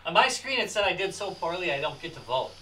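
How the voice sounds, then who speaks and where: Male gamer, high and expressive, whiny and grumbling; clear background noise. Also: fast talker. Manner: whiny, complaining. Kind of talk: casual gaming chat. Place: shared room with friends.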